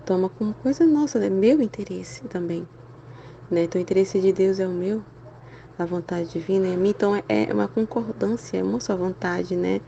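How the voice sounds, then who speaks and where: Woman, casual faith talk, feeling weary; gravelly, mellow, dull lo-fi home recording. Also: mid-range voice, fairly quick, slight background noise. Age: adult with a school-age son and husband. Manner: chatty, constant "né?" tags, animated exclamations. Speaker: Catholic channel presenter.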